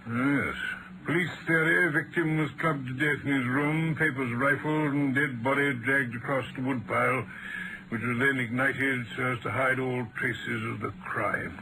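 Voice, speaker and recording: An actor playing a dutiful English gentleman companion to a detective, with measured, emphatic radio-drama delivery. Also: mid-range voice, fairly even intonation, natural voice. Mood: astonished. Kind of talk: 1940s-style radio acting. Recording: noisy vintage radio drama recording.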